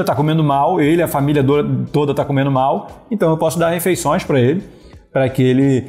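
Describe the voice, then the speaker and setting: A man in his thirties from Brazil, talking straight to camera and giving business advice with animated hand gestures, often checking in with the viewer. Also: mid-range voice. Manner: animated, gesturing, steady talk punctuated with "né?" and "beleza". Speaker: e-commerce business coach. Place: small indoor room with wooden slat wall. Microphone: wired earphone headset mic.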